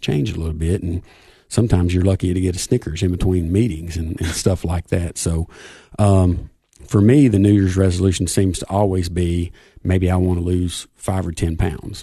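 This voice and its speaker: Very deep and low, a man's voice has a dark, mellow tone and is somewhat breathy. He keeps a moderate pace and fairly even intonation. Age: 50s. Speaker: radio host. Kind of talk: radio interview. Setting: studio. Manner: halting, filler-heavy.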